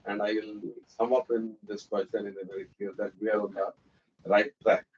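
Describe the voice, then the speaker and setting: A man with an Indian accent speaking as a company executive on a conference call, explaining business in a halting, emphatic way with repeated words. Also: on the low side, flat delivery, darkish tone, husky. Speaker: company executive answering analysts on an earnings call. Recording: dull, band-limited conference call audio.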